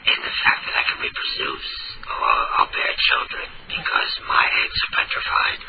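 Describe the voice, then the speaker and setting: A man's voice: moderate pace, close to an everyday voice. A man playing a lonely 87-year-old woman who talks through a buzzing electronic voice box in a prank call. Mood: deadpan rambling. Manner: rambling, overly friendly, awkward. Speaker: prank caller. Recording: muffled lo-fi radio phone audio with loud hiss.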